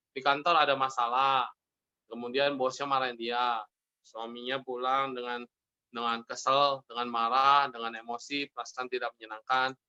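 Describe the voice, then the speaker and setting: A man's voice: mid-range voice, pushed and bright, clear, resonant tone, dull audio. A man, a Buddhist monk, giving a casual sermon full of stories, joking and laughing as he acts out the people in them. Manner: jokey, laughs often, acts out characters in his stories.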